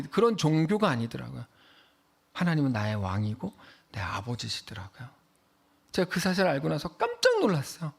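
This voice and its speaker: A man preaching a Sunday sermon as pastor, acting out quoted voices and dropping to a hush for emphasis. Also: on the high side, vocal fry.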